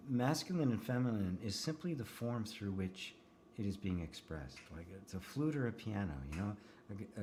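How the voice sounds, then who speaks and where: Low-voiced man musing on spirituality. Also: a little mellow, a little hiss or hum. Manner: laughs often, many restarts and "right?" tags. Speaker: spiritual teacher. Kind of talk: casual spiritual talk, reading out comments. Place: seated indoors.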